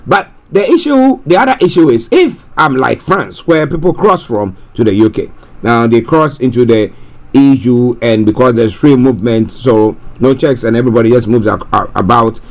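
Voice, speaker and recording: A man's voice: medium pitch, animated, normal speed. A man from Ghana, giving talk radio commentary in a rambling way, restarting and repeating himself. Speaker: radio presenter.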